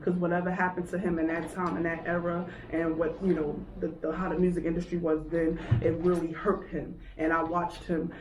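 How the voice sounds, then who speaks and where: A woman's voice: lowish voice, little pitch movement, fairly quick, few pauses, darkish tone. A woman from New York, a guest talking casually in an interview about managing and writing for artists. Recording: echoey room, mic far off, background noise.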